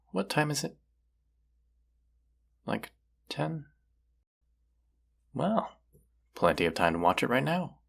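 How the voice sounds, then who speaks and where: Man acting a husky, very gravelly young romantic crush. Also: exaggerated voice. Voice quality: husky, breathy, gravelly low voice. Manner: slow, hushed, teasing, trailing pauses. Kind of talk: intimate romantic audio roleplay.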